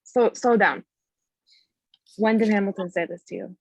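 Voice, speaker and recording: A woman's voice: mid-range voice, normal speed, creaky, breathy edge, dry recording, rough recording. A woman acting a protective, resolute, commanding character at a screenplay table read. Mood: concerned, protective.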